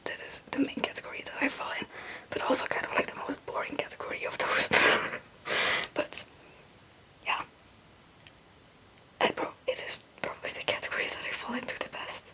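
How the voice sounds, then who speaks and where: A young woman, a native Dutch speaker, whispering breathily in a rambling, halting, casual ASMR chat. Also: poor audio. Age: young adult. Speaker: ASMR video creator.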